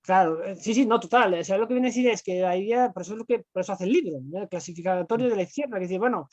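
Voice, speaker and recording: A man talks quickly as a philosophy guest, stringing his points together with fillers and questioning tags. The sound is dry and a little dull and lo-fi, with no room around it. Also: high voice, darkish tone, no room sound. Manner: rapid, with frequent fillers and rhetorical tags. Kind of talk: conversational explanation.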